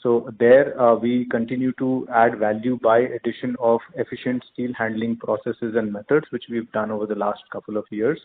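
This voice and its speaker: Indian-accented executive on a noisy phone line. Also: male voice, mid-range voice, flat delivery, moderate pace, few pauses. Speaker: company executive answering analyst questions. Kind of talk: earnings call answers, formal explanation. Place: conference call. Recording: narrow phone line with clear noise.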